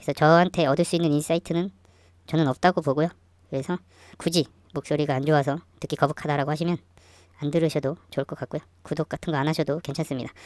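Her very deep, low pitch stays monotone and flat as this woman races at a very fast pace broken by long, frequent pauses, in a dry, close sound with no echo. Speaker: stock investing YouTuber. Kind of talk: casual investment vlog monologue. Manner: halting, frequent fillers.

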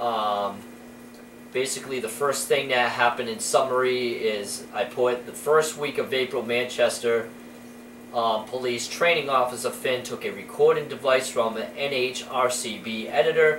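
A man's voice carries audible room echo. Light background noise can be heard. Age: 40s. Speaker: police accountability activist. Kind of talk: casual vlog update. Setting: home media room. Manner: halting, many fillers. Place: home room. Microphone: camera far.

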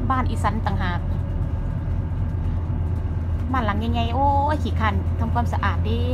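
Loud background noise accompanies a woman speaking with ordinary pitch variation. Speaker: passenger vlogger. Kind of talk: casual vlog chat. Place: bus. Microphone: phone near.

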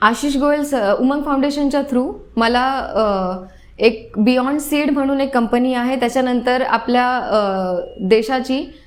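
Audible room echo surrounds a woman's voice. Her pitch is high, with ordinary variation. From Mumbai, India. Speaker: chess boxer. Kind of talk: life story testimony.

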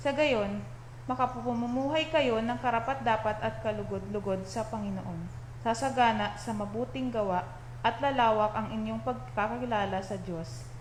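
Moderately paced female speech under noticeable background noise. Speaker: lector reading scripture. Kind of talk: scripture reading. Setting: church.

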